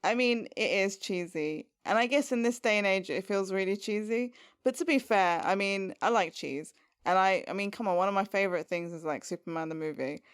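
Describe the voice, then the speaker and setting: A woman co-hosting a podcast, recapping a TV episode in casual chat, animated and sarcastic with frequent laughs. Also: medium pitch, a little fast, clear, resonant tone. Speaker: podcast co-host.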